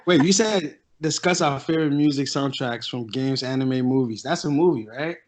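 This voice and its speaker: A man's voice: medium pitch, moderate pace. A young man co-hosting a podcast, talking in an emphatic, ranting way during a casual chat. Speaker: podcast co-host.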